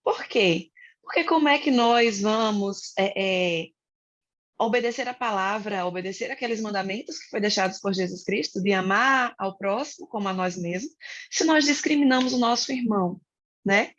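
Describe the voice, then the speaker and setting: A woman's voice: mid-range voice, normal speed, fairly bright tone. Brazilian woman teacher, reflective and hesitant, dull lo-fi sound. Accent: Brazilian Portuguese. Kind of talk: Bible study podcast discussion.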